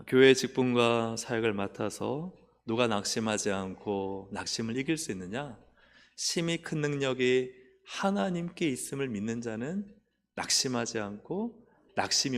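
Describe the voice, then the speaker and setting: A male pastor preaching a lively sermon, putting questions to the congregation. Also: medium pitch. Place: church sanctuary. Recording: long church hall reverb.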